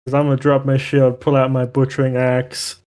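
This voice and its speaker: A man's voice: mid-range voice, monotone, brisk, a little mellow. A man chatting casually as a player in a tabletop role-playing game.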